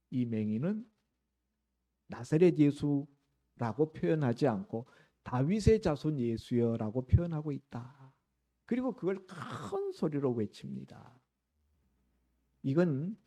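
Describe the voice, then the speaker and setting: A middle-aged man, a pastor, preaching a sermon in an animated storytelling way, raising his voice for the cries in the text. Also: medium pitch.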